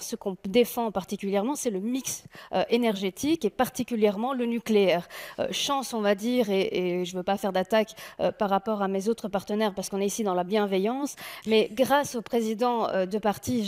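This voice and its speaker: Young francophone woman, youth politician on a panel; relaxed tone, conversational and halting delivery. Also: mid-range voice. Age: young adult. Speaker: political youth-wing leader, debate panelist. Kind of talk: spontaneous debate statement.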